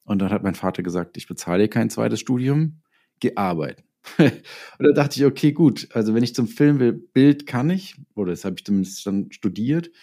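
A man as an interview guest, casually telling personal stories with hesitant pauses and a self-deprecating touch. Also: medium pitch, animated, dark tone. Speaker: interview guest, writer and director.

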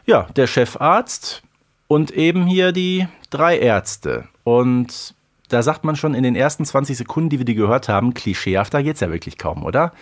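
A man's voice: mid-range voice, expressive, moderate pace. A man co-hosting a podcast, reviewing a radio play in colloquial, emphatic casual chat full of idioms. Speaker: podcast co-host.

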